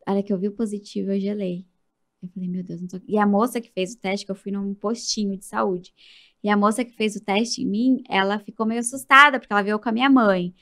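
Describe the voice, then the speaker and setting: Animated woman telling a story. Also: medium pitch, fairly quick. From Brazil. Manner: animated, acts out quoted voices. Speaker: podcast guest. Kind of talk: casual storytelling interview.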